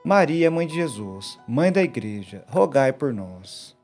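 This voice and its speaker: A man reading the daily gospel and a short reflection in a solemn, measured liturgical manner. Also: mid-range voice, sing-song. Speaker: gospel reader and preacher. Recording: soft instrumental music behind.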